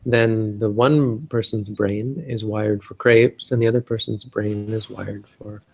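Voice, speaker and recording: Man from Canada, low husky gravelly voice, flat tone, rambling live-stream talk with restarts. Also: measured pace. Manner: rambling, searching for words, many restarts. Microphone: live stream setup.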